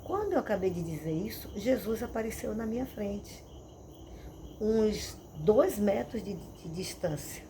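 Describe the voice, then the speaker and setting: A woman who is a missionary and pastor gives testimony preaching in an unhurried, mid-range voice. She tells her story vividly and animatedly, using dramatic repetitions. Crickets and insects chirp in the background, along with a slight hiss or hum.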